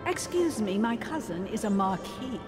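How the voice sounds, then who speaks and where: A woman's voice: mid-range voice, big pitch swings, moderate pace, close to an everyday voice. Woman as a swooping, flirtatious society lady. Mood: arch, gossipy. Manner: arch, playful, coquettish. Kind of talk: video game character dialogue. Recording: echoey hall, music behind.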